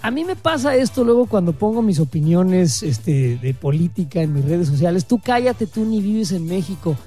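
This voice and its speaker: A man's voice: sits high, big pitch swings, moderate pace, mellow, faint music behind. A Mexican man co-hosting a talk show, giving blunt, profane opinions. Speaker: co-host. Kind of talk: casual opinion commentary.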